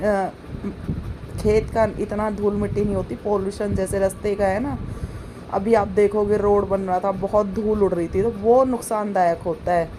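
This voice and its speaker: A young woman chatting casually as she vlogs, her throat a little sore, with soft laughs and rambling asides. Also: medium pitch, background noise. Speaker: vlogger. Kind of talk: casual vlog narration and voice-over. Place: outdoors by a road, then voice-over.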